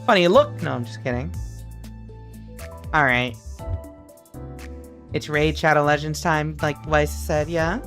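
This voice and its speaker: Brief: chatty livestream host, mid-pitched, joking, faint game music underneath. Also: unhurried, pauses often, a bit bright. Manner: chatty, joking, talks to chat. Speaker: streamer. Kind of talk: casual livestream chat over a game.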